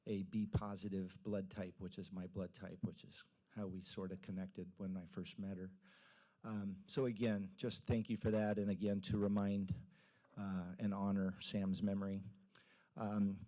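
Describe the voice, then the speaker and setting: A man giving informal public remarks at a council meeting in a conversational, halting way. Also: lowish voice, dark tone.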